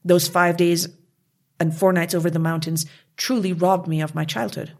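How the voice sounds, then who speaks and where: A woman's voice: on the low side, flat delivery, moderate pace, a little mellow. A woman from Canada, speaking passionately and emphatically as an interview guest. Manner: passionate, emphatic, with rising outbursts. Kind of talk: conversational interview.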